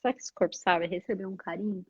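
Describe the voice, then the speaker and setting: A Brazilian woman, a guest on a live stream, telling stories in a casual, animated way and acting out the lines of the people in them. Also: on the low side, fast, husky, muffled recording. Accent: Brazilian Portuguese. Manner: animated storyteller, acts out dialogue.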